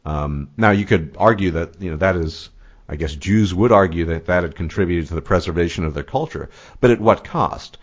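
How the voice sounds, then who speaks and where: A man's voice: low voice, normal speed. A man in a casual discussion, speaking hesitantly with many fillers and restarts. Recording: muffled lo-fi audio.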